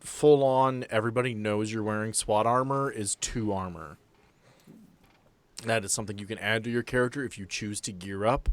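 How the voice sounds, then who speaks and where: A man with a fairly low voice runs a tabletop roleplaying game. He moves between plain narration and loose, sweary banter, talking to players as friends. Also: fairly bright tone, dry recording. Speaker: game master.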